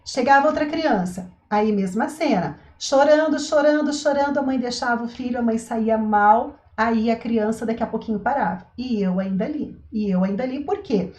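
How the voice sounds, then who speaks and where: A woman's voice: on the high side, normal speed, few pauses, a little mellow, roomy sound. A woman, a parenting educator, talking casually to camera. She asks rhetorical questions and keeps checking in with her listeners. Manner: chatty, asks rhetorical questions, says "né" and "tá" often. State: throat itch, coughs now and then.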